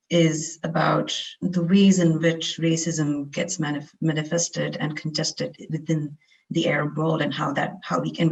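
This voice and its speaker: A woman's voice: low voice, gravelly, lo-fi sound. A young woman from India giving a webinar lecture over a video call, talking conversationally with many fillers and restarts. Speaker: guest lecturer.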